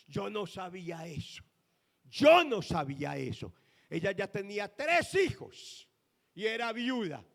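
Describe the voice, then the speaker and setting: Middle-aged male pastor, impassioned sermon delivery, higher voice, long church reverb. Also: fairly bright tone. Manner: impassioned preaching with emphatic bursts. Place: church hall.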